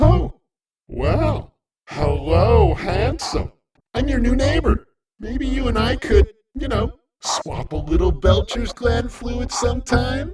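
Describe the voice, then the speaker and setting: Putting on a character voice, a man speaks raspily at a fairly slow pace. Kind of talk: comedy audio sketch, multiple character voices.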